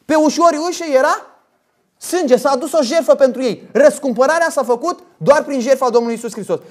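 A man preaching a sermon, emphatic and forceful, often checking in with his listeners through quick rhetorical questions. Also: very high-pitched.

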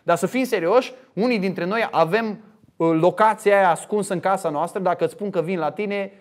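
A man preaching a sermon, swinging between loud emphatic lines and quiet asides, sometimes acting out imagined speech. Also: high-pitched.

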